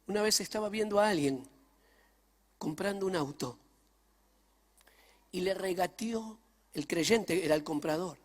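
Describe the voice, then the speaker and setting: A man preaching a sermon in a church, emphatic and shifting between loud and hushed delivery. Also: high-pitched. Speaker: pastor.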